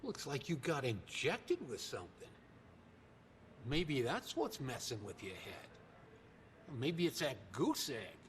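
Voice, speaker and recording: Animated, exasperated buddy. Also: male voice, medium pitch, takes it slowly, pauses often. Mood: urgent concern. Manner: colloquial, scolding, animated. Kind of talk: video game acting. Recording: long reverberant hall, faint noise.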